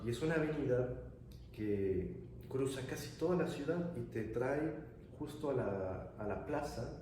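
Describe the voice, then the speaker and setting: A man from Mexico, an interview guest, chatting casually in a relaxed, meandering way, slipping in English words now and then. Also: mid-range voice, a little slow. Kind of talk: casual conversation. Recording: roomy, distant mic with clear background noise.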